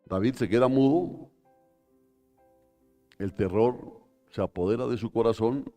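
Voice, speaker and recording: Colombian pastor preaching live, dramatic storytelling, lots of "¿no?" questions, faint music behind. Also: male voice, medium pitch, a little slow. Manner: animated, dramatic retelling with rhetorical questions. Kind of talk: storytelling sermon. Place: church.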